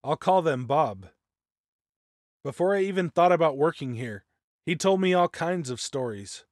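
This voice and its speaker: A man's voice: fairly high pitch, animated, moderate pace, darkish tone, no room sound, studio quality. A man narrating a scripted first-person scary story as a guest narrator.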